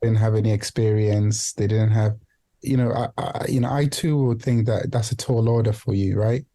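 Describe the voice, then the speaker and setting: Mellow-voiced man, reflective and halting. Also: fairly low pitch, steady tone. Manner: hesitant, repeats and rephrases phrases, often adds "you know". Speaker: guest, founder and CEO of a non-profit organization. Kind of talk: reflective podcast interview talk.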